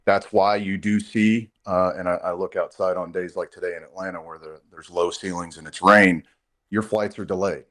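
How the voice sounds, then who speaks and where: Low-voiced man, emphatic interview guest. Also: fairly even intonation, moderate pace, fairly bright tone. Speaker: air traffic controllers' union representative, interview guest. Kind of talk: live TV news interview, spoken off the cuff.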